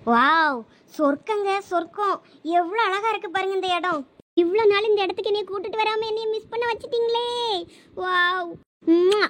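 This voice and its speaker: A woman voicing a lively, affectionate young wife in a cartoon, speaking with a Thoothukudi Tamil accent and exclaiming often. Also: very high voice, normal speed, a little hiss or hum. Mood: delighted. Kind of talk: cartoon voice acting.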